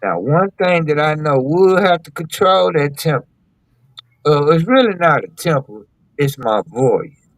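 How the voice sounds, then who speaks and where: Man hosting a radio show, raspy and loud-carrying, very slow, dry sound. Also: fairly high pitch, lively intonation, no echo, poor audio. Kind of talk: casual radio chat.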